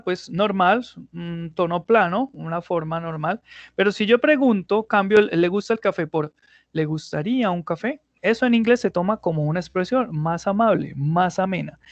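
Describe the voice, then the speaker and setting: Male English teacher, high and gravelly, patient step-by-step explainer, dull lo-fi recording. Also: no echo. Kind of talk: explaining grammar in an online class.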